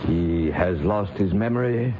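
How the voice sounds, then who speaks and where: Stern low-voiced tribal chief. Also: male voice, a little slow. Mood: stern, imperious. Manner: formal, declamatory, imperious. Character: stern, proud tribal chief presiding over council. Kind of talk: old-time radio drama acting. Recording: muffled vintage radio, faint noise.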